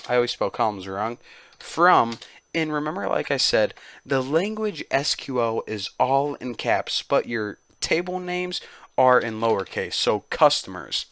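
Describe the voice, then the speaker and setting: Guy doing a laid-back tutorial, chatty, lots of fillers, dry close sound, middle pitch. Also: no echo. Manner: relaxed, chatty, uses many fillers like "go ahead" and "basically". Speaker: tutorial host. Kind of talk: casual screen-recorded tutorial.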